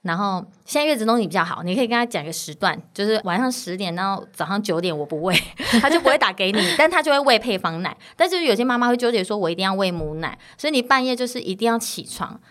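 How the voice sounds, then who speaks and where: A woman's voice: mid-range voice, lively intonation, fast talker, few pauses, a bit bright. A woman in her thirties with a Taiwanese Mandarin accent, a mother of three, talking candidly in a casual interview and laughing between phrases. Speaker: podcast guest, mother of three.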